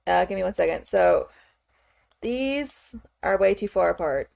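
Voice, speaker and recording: A woman's voice: on the low side, expressive, a little slow, creaky, a little mellow, dry recording. A woman streamer chatting casually as she works, thinking aloud with frequent fillers and "okay"s. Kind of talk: casual chat while working on screen.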